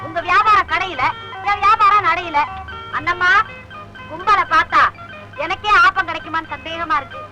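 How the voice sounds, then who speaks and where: A woman's voice: very high-pitched, moderate pace, pauses often, low-quality recording. An actress playing a sassy young flower-selling village woman, cheeky and quarrelsome, in a 1970s film comedy. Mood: bantering. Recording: film soundtrack with loud music behind.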